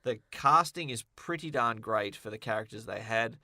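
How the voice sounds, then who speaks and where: A man with a bright, punchy voice chats casually as a podcast co-host. He leans on words and repeats them for emphasis. The sound is dry, with very little room in it. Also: mid-range voice, moderate pace, no room sound. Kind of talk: casual podcast chat about film and games.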